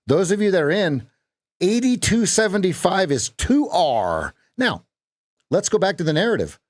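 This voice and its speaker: A man's voice: high voice, big pitch swings, moderate pace, no echo. A man hosting a live day-trading stream, chatting with viewers and repeating phrases as he watches the market.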